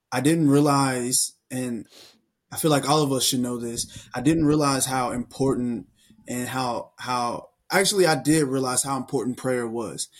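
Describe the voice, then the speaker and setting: A man with a plain, everyday voice, medium pitch, fairly even intonation, and a moderate pace, on a very clean recording with a silent background. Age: 20s. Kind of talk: casual faith discussion.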